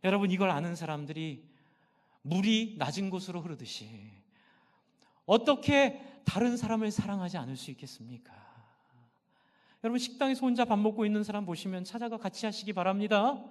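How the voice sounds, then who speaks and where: A middle-aged male pastor preaches with fervor, his voice pitched high. He throws questions out to the congregation and answers them himself. His voice rings through a church sanctuary with a long, trailing reverb. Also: animated, brisk. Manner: impassioned, asks and answers own questions. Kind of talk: sermon.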